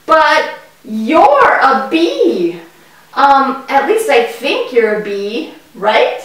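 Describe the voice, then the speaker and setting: A woman voicing an excitable, fearful young boy in a children's puppet show, with exaggerated delivery aimed straight at kids. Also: high voice, drawn-out words, heavily acted. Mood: puzzled. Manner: exaggerated, addressing children directly. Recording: echoey hall, far from the mic.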